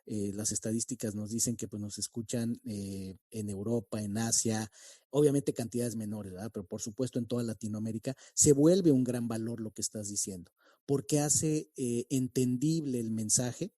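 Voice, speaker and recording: A man from Mexico City with a neutral Mexican accent, hosting a podcast interview and talking in a reflective, halting way with many restarts. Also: medium pitch, mellow, no room sound, clean studio sound. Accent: neutral Mexican Spanish. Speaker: podcast host.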